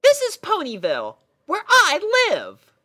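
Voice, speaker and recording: Perky storybook unicorn princess done by a male reader: very high falsetto, bossy, giggly, carefree. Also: huge pitch swings, measured pace, sharp tone, full character voice. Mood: cheerful, breezy. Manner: chirpy, pushy, exclaiming in falsetto.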